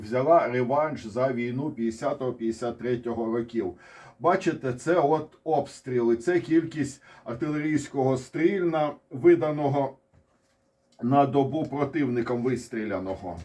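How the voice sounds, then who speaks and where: A man's voice: medium pitch, warm tone. A man with a Ukrainian accent giving casual, ironic commentary on war charts, digressing and restarting often. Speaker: military commentator.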